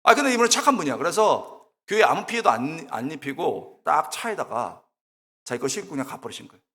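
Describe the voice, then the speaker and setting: A middle-aged man preaching a sermon, telling funny stories in an animated, exclamatory way and acting out the people in them. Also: a little high, fairly quick. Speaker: guest preacher, preaching professor. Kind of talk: sermon with humorous storytelling. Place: church sanctuary. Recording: long church reverb.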